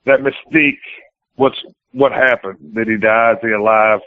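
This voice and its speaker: Over tinny, phone-like radio audio, this man speaks at a normal speed in a lowish voice with fairly even intonation, and the recording is dry. He's a pro wrestler in a casual interview, rambling in plain-spoken, colloquial, occasionally profane talk.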